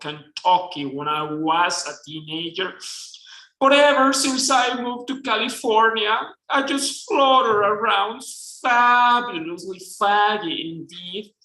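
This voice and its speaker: A man's voice: high voice, bright, forceful tone, heavily acted. A man with a Mexican accent reading aloud as a flamboyant, unashamed gay Southern man, putting on a Southern accent. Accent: attempted Southern US. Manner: theatrical, campy read-aloud delivery. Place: bookstore event space. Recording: echoey room.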